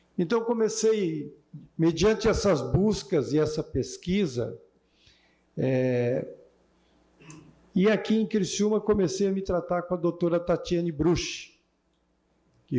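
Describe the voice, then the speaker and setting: High-pitched for a man, his dark, mellow tone carries lively intonation at a fairly slow pace, broken by long, frequent pauses. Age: 60s. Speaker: city councillor with Parkinson's. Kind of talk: public hearing speech. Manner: halting.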